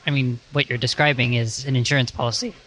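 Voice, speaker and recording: A man in a roundtable discussion, speaking in a measured way. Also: mid-range voice, steady tone, a bit bright. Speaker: roundtable participant.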